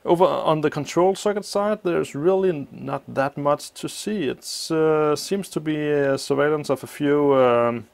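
A man explaining a teardown of an old appliance at a workshop bench, thinking aloud with many pauses, his voice slightly muffled by a mask. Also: fairly high pitch, creaky, a little mellow. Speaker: electronics teardown host. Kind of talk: hands-on technical walkthrough.

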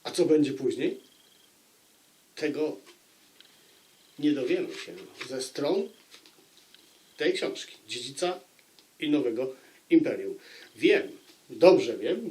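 A man giving an informal spoken book review to viewers, deliberate, with dramatic pauses and repeated phrases for emphasis. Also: a little high, expressive, a little mellow. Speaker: book review channel host.

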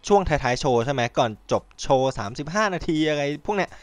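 A man hosting a podcast in casual chat, rambling and excitable, swearing freely and acting out quotes. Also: fairly high pitch, quick pace, no echo. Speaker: podcast host.

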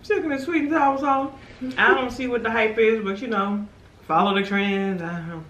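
A woman's voice: on the high side, normal speed. A woman hosting a mukbang vlog, chatting casually and in slang with her mouth full of chicken. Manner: relaxed, slangy, mumbling between bites. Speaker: mukbang host. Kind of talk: casual eating chat. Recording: echoey room, mic at a distance.

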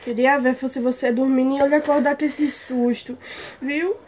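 A woman's voice: sits high, fairly even intonation, moderate pace, a little mellow. A young woman, tearful and scolding after being pranked in a casual vlog. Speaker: prank target, vlogger's partner. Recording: noisy room, voice off-mic.

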